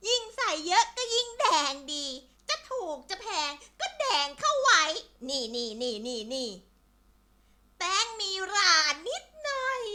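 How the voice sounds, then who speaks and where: A woman's voice: extremely high pitch, pushed and bright, exaggerated voice. A woman voicing a scheming frizzy-haired witch in a children's story, with a theatrical, cackling, sing-song manner. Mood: brazen, cheerful. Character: frizzy-haired scheming witch, gleefully cooking junk food. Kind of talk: exaggerated children's story acting.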